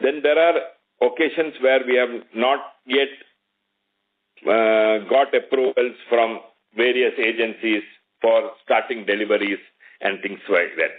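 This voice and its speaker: A narrow phone line carries an Indian man with a mid-pitched voice. He explains matters as a company executive answering questions on an earnings call.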